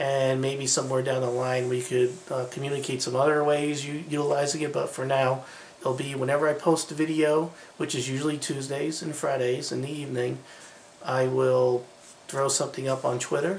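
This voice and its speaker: In a monotone, flat delivery at a moderate pace, a man with a fairly high pitch mumbles amid noticeable background noise and audible room echo. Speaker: preparedness gear video blogger. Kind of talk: casual video monologue. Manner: mumbling; halting, many fillers.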